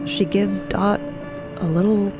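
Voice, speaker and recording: A woman narrating a fiction podcast descriptively in the present tense, deliberate and measured, pausing between phrases. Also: medium pitch, steady tone. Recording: music bed behind narration.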